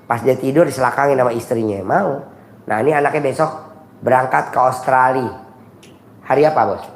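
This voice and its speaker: A man's voice: medium pitch, fairly quick, a little hiss or hum. A man hosting a live advice session, teasing the audience with crude jokes and calling people "Bos". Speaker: host giving advice sessions. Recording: echoey room with faint ambience.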